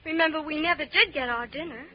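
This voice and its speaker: An actress playing a curious, spirited detective's sidekick in an old radio drama, perky and inquisitive. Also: female voice, sits high, quick pace, natural voice. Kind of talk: 1940s radio drama acting. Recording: muffled, noisy old radio recording.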